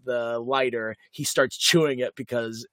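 A man co-hosting a podcast, recapping a TV episode in casual chat, animated and quick with asides. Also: mid-range voice, no room sound, studio quality. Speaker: podcast co-host.

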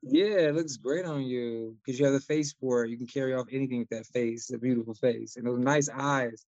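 Chatty host with dull lo-fi sound. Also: male voice, medium pitch, a little fast, darkish tone, no room sound. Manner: chatty, enthusiastic, laughs often. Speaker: interviewer host. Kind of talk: casual interview chat.

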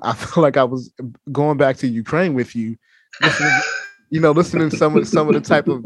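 A man's voice: medium pitch, dry recording. Male podcast host, enthusiastic, repetitive phrasing, home studio, dry close sound. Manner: enthusiastic, repetitive, calls listeners family. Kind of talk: casual podcast interview.

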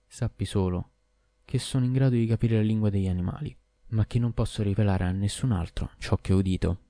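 Guy doing a fed-up merchant, loud and emphatic, storybook tale. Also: on the low side, fairly quick, no room sound, clean studio sound, natural voice. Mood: exasperated. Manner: exasperated, emphatic. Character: weary merchant who understands animals, adult man. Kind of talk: audiobook character voice.

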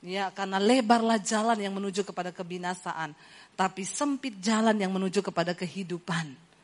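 A woman preacher giving a lively sermon, telling stories and mimicking the voices of the people in them. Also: medium pitch, fairly quick. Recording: hall reverb.

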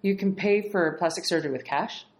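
A woman guest telling a story in casual, animated talk, swearing freely and laughing as she goes. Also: fairly low pitch, fairly quick. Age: adult, past marriage. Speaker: podcast guest.

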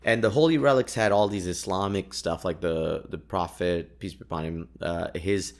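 A young man with a fairly low voice recounts his travels in a relaxed, rambling way. Urdu is his first language, and he leans on fillers and quick laughs as he goes. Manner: chatty, laughs often, many fillers and restarts. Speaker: podcast host. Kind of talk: casual travel storytelling.

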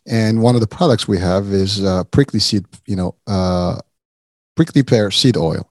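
A man's voice: fairly low pitch, moderate pace, a little mellow, dry recording, studio quality. A man from Morocco hosting an interview, talking in a casual, rambling way with many restarts and asides. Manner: rambling, many restarts and "you know", chuckles often. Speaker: podcast host.

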